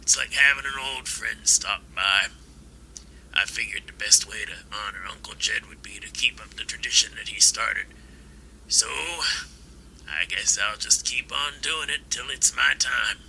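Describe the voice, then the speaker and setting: An actor playing a kindly, folksy old man in an audio drama, talking in an unhurried way. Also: fairly low pitch, pushed and bright, slight background noise, heavily acted, low-quality recording. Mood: warm, reflective. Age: older.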